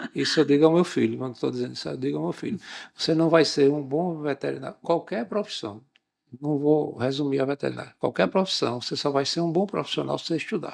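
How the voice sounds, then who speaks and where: Speaking at a very fast pace, this man has a fairly high pitch. His words rush by. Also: ordinary pitch variation. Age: 60s. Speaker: veterinary dentist. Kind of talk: podcast interview.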